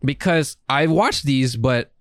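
A man's voice: medium pitch, slow pace, a bit bright, no echo, clean studio sound. A man podcasting in a casual, profane chat, rambling and enthusiastic with plenty of slang. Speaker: podcast host.

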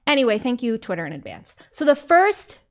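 Chatty woman podcast host, slightly squeaky. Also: big pitch swings, brisk. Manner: chatty, wry, reads out news items. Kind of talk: casual podcast chat.

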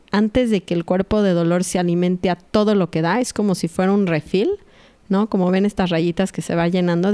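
A woman in her thirties with a Mexican accent, telling a spiritual story to her audience in a casual, animated, confiding way. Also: mid-range voice, clean tone. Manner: animated, confiding, often asks "right?".

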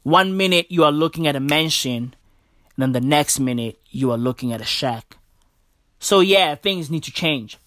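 A man's voice: a little high, moderate pace, fairly bright tone, no echo, studio quality. A young South African man hosting a casual podcast, talking in slang and calling the listener bro and bruv. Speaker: podcast host. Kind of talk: casual solo podcast commentary. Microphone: podcast mic.

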